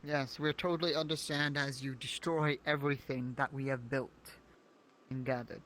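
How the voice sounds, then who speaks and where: A man's voice: mid-range voice, steady tone, normal speed, fairly bright tone, a little hiss or hum, low-quality recording. A man playing a distrustful, indignant town survivor in an improvised fantasy roleplay, theatrical and accusatory.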